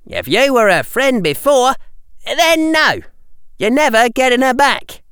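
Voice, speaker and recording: Sharp sardonic storybook witch, read by a man, high, loud, lively, crisp. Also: a little slow, no room sound, studio quality, full character voice. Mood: sharp, brusque. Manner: brusque and sardonic. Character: sharp-tongued, mercenary woman healer witch.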